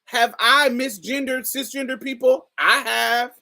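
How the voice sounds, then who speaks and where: Deep-voiced woman, chatty and emphatic. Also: fairly even intonation, a little slow, vocal fry, bright, forceful tone. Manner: emphatic, chatty, addresses viewers directly. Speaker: host. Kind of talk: casual commentary to camera.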